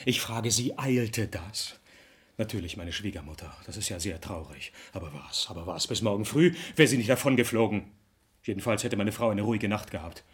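An actor playing an irritable, blustering husband in a drama, husky and exasperated. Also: male voice, lowish voice, expressive, normal speed. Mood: indignant.

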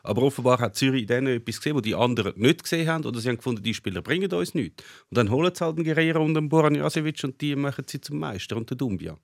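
A man, a co-host, gives his opinions at a very rapid pace. His pitch is mid-range. The recording is dry and close to the mic. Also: expressive, creaky, dry recording. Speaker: co-host, football pundit. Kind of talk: casual talk show chat.

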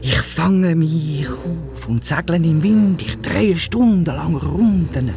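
A man with a Swiss German accent voicing a proud, boastful male condor in low, hushed, drawn-out tones. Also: a crowd in the background.

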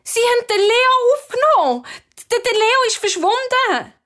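A woman playing Sophie, a stubborn, excitable girl in a children's radio play. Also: high voice. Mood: upset. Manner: feisty, quick to flare up.

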